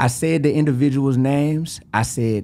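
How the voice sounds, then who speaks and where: A man in a New Orleans accent talks at a moderate pace with a dark, mellow tone and ordinary pitch variation. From New Orleans, US South. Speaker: rapper. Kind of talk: podcast debate.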